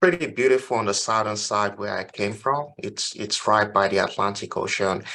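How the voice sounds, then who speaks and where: At a moderate pace, a man with a Nigerian accent speaks in a fairly low pitch, his tone bright and sharp with ordinary pitch variation. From Nigeria, Lagos. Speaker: early-career environmental engineering researcher. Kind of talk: webinar panel presentation. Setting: online webinar.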